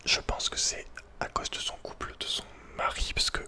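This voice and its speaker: A man telling a personal story in ASMR style, informal and hesitant, often searching for his words. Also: moderate pace. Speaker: ASMR creator.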